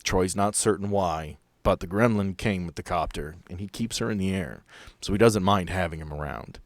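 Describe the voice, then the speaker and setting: A man with a fairly low voice runs a tabletop game as its master. He describes scenes like a storyteller, improvising as he goes, in a close, dry recording. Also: normal speed, dry recording.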